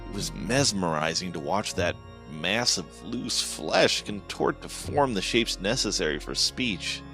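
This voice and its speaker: Deep-voiced man narrating horror. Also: expressive, unhurried, vocal fry, bright, forceful tone. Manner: tense, dramatic first-person telling. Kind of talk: first-person horror story narration. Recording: music playing behind.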